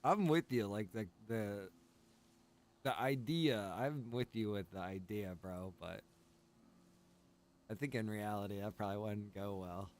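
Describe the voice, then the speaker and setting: During a casual gaming livestream of a survival roleplay game, a man with a lowish voice chats at an unhurried pace, leaving long pauses. He jokes in a laid-back way and laughs often, with slight background noise behind him.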